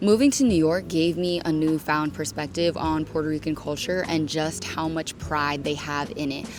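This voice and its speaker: With music in the background, a woman speaks in a very deep, low voice with lively intonation. She barely pauses at all. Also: moderate pace. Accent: West Coast American. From Oakland, California. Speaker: vlogger. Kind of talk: personal vlog monologue. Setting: in public.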